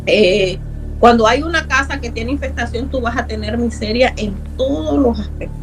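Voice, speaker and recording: A woman's voice: a little high, normal speed, faint music behind, low-quality recording. A middle-aged woman from Honduras, earnestly telling a personal story as a guest, repeating words for emphasis.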